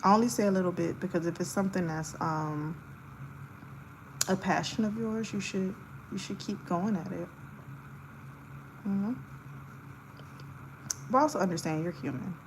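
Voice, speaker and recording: A woman's voice: fairly low pitch, moderate pace, pauses often. A young woman in her twenties talks casually to her viewers as she draws. Her chat is loose and giggly, full of fillers. A faint hum sits under the voice. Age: 20s. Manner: chatty, giggly, lots of fillers. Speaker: art livestreamer. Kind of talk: casual chat while sketching.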